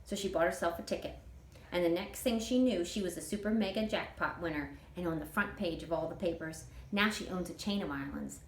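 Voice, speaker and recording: A woman's voice: lowish voice, a little fast, few pauses, natural voice. Storybook role: woman playing a folksy, motherly older lady with homespun, exclamatory talk, recorded in an echoey room. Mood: marveling.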